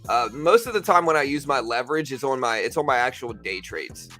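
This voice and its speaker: A man's voice: medium pitch, lively intonation, a little fast, pushed and bright, soft background music. A man hosting a casual early-morning livestream, tired and just woken up, talking in a laid-back, rambling way. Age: adult with a daughter. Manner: laid-back, rambling, says bro and you know a lot. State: just woke up, tired, voice deeper than usual. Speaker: livestream trading host. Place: home in Texas.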